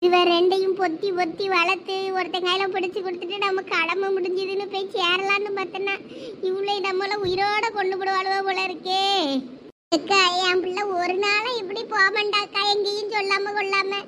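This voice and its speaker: A frantic village mother in a cartoon, squeaking in a very high voice and pleading in a thick Thoothukudi accent, as a performer plays her. Loud noise hisses under the whole recording. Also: completely flat delivery, normal speed. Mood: tearful. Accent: Thoothukudi Tamil. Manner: fretful, pleading. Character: anxious village mother, frightened and tearful. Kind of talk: comic village cartoon dialogue.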